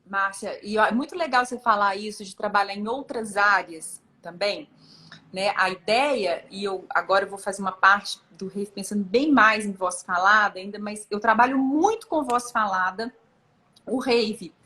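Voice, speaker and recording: A woman's voice: medium pitch, moderate pace, pushed and bright. A woman from Brazil, a voice coach, explaining vocal work in an encouraging, casual teaching chat. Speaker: voice coach hosting a live chat.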